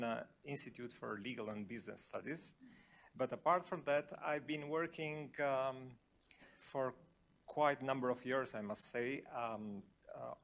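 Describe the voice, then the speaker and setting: A man from Albania, introducing himself as a panelist in a formal, halting way. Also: mid-range voice, creaky, a bit bright. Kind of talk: self-introduction at a panel discussion.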